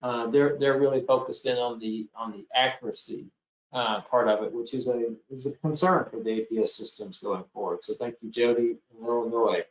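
A man moderating an online meeting informally, halting as he thinks aloud. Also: medium pitch, fairly even intonation. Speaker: session moderator. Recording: roomy, dull online meeting audio.

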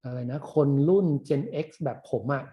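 A man's voice: mid-range voice, unhurried, mellow. Man in his forties, university lecturer, online class, loose rambling delivery, frequent fillers. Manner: casual, rambling explanation with many fillers.

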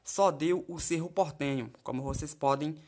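A man's voice: on the high side, moderate pace, a little mellow. A man giving football betting tips over a screen recording in a chatty, casual way, often checking in with his listeners. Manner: chatty, keeps asking "tá certo?" and "né?". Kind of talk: casual screen-share commentary. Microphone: voice-over over a phone screen.

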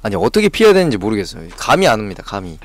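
A man's voice: on the low side, huge pitch swings, racing, creaky, dry recording. Jumpy, swearing Korean game streamer man. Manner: jumpy, swearing, frantic reactions to scares. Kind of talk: live horror game commentary.

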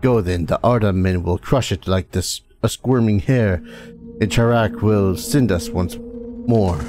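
A man's voice: fairly low pitch, a little slow, music in the background, natural voice. A man reading out the lines of a hostile alien creature that speaks into the mind, in his own plain voice. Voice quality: harsh and alien. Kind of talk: reading game dialogue aloud.

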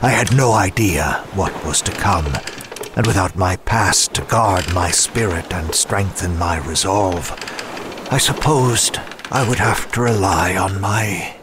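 A centuries-old immortal attendant in an audio drama. His low voice moves slowly through formal, pensive phrases with a solemn air. There is clear noise behind him. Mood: uneasy, pensive. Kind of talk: scripted audio drama monologue. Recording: clear background noise under voice.

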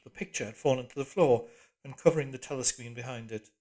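Measured male audiobook narrator. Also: mid-range voice, darkish tone. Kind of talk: scripted literary narration.

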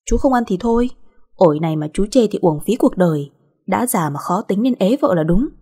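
A woman's voice: medium pitch, lively intonation, dark tone, slightly rough. A woman voicing a cheeky country girl of nearly eighteen who answers back with teasing retorts. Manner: sassy, quick retorts, teasing.

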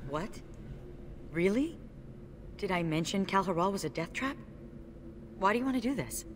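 An actress playing a young dwarf woman warrior in a video game, wry and expressive. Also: medium pitch, measured pace, a little hiss or hum, lightly acted. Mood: incredulous.

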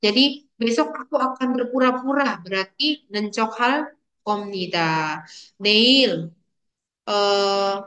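A woman's voice: medium pitch, takes it slowly, long pauses, a bit bright. A young adult woman teaching an online language lesson, chatty and playful, calling on her students by name.

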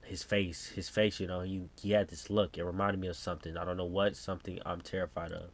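A man playing spooked young male gas station worker, American accent, low voice, hesitant, rambling, horror game caller. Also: flat delivery, fairly quick. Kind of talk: reading game subtitles as dialogue.

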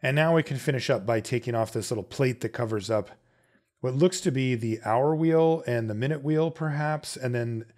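A man walks viewers through a watch repair step by step on his channel, keeping it casual and conversational, as if thinking out loud. He speaks at a moderate pace in a mid-range voice with a darkish tone.

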